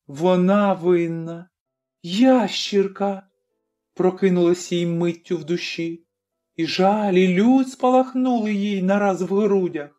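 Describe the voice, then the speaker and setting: An audiobook narrator reading a literary story in a measured way, softening at the ends of phrases. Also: mid-range voice, fairly even intonation, lo-fi sound, faint music behind. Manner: slow, measured, dropping soft at line ends.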